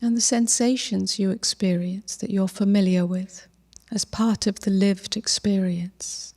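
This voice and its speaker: A woman leading a guided meditation as a teacher, gentle and unhurried, with long pauses and soft, breathy phrase endings. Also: medium pitch, steady tone.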